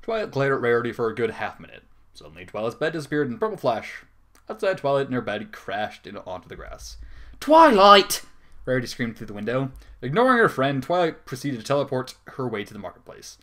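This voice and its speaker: A man's voice: mid-range voice, very animated, quick pace. A man narrating a comic story in an irreverent, theatrical, sweary manner, dropping in casual asides. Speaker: narrator reading fan fiction.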